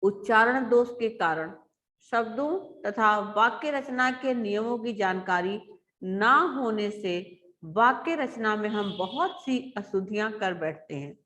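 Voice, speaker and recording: A woman teacher giving a grammar lesson to schoolchildren, explaining slowly and repeating words aloud. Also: medium pitch, expressive, a bit bright.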